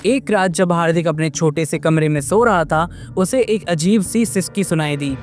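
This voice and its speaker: A man narrating a scripted horror-fantasy story in a lively, dramatic way. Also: on the high side, normal speed.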